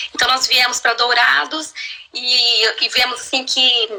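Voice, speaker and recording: Speaking at a fairly slow pace, a woman has a high pitch with ordinary pitch variation. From Brazil, São Paulo city. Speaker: pastor's wife. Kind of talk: testimony. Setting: online live stream.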